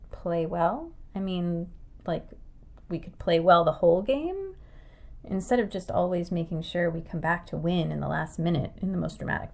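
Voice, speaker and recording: Laid-back student athlete, hesitant and simple, lowish with vocal fry, audio drama. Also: female voice. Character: laid-back, slightly slow-thinking college quarterback.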